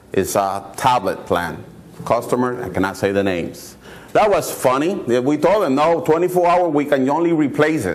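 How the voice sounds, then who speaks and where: A man talks at a moderate pace, his fairly high voice making very wide pitch swings. Audible room echo and noticeable background noise surround him. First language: not English. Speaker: maintenance service provider. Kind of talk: conference presentation.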